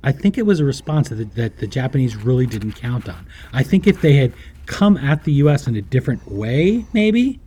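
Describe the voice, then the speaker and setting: A man's voice: medium pitch, normal speed, slight background noise. A man co-hosting a podcast in casual chat, telling stories with animation and acting out the quotes. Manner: animated storyteller who acts out quotes. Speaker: podcast co-host.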